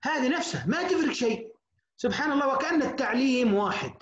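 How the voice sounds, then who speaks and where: A woman teacher leads an English lesson, stretching out sounds and repeating them again and again. Her voice sits a little high. The recording is muffled and lo-fi, with a roomy echo around her. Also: very animated. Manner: drawn-out, repetitive drilling of sounds. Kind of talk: online lecture for beginners.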